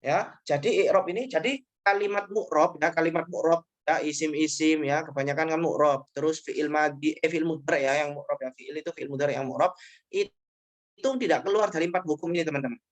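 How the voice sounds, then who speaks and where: A man's voice: a little high, brisk. A man teaching grammar in an online class, explaining patiently and repeating each point with short checking tags.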